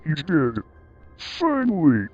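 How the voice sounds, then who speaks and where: A high, sing-song voice of a deranged cartoon starfish turned killer. It leaps wildly up and down in pitch, childlike yet menacing. The sound is dull and muffled, with faint music underneath. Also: male voice, huge pitch swings, slow pace, heavily acted. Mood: gleeful.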